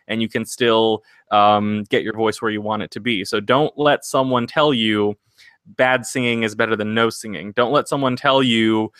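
A man's voice: lowish voice, a bit bright, clear, resonant tone, dry recording, studio quality. A man hosting a singing podcast, talking casually and earnestly, rambling into motivational encouragement. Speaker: singing podcast host and vocal coach.

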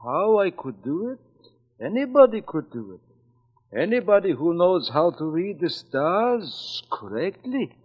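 An actor playing a shifty foreign handyman turned blackmailer, speaking halting broken English, in 1940s radio acting on an old radio show recording. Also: high voice, very animated, breathy edge, exaggerated voice. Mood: sly. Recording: dull old broadcast with long reverb.

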